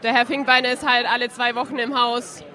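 A woman's voice: on the high side, flat delivery, fairly quick, bright, forceful tone. A young woman in her twenties from Schwäbisch Hall, a student guest who talks in a friendly, giggly way. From Germany, Schwäbisch Hall. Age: 20s. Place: busy trade fair lounge. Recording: crowd chatter behind.

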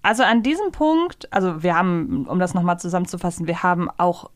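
A woman's voice: on the low side, animated, a little fast, no echo, clean studio sound. A woman co-hosting a podcast in casual review chat, analytical and thinking aloud as she goes. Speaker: podcast co-host. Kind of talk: casual review chat about audio dramas.

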